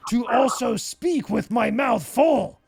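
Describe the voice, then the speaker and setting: A man doing a loud boastful glutton. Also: very high-pitched, takes it slowly, vocal fry, over music, pitched above the performer's own voice, exaggerated voice.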